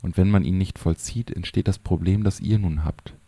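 A man reading a gentle, wise old sage. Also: deep voice, moderate pace, no room sound. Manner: soft, understanding.

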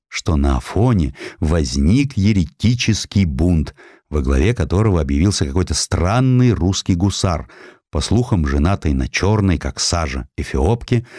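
A man reading a scripted historical story as an audiobook narrator, in a measured, expressive way with deliberate pauses. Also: deep voice, no echo, clean studio sound.

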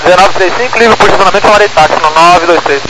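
A man's voice: high-pitched, rapid-fire, over music. A man with a Brazilian accent giving pilot readbacks in procedural phrases over the radio. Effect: aircraft radio. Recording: very noisy aircraft radio transmission.

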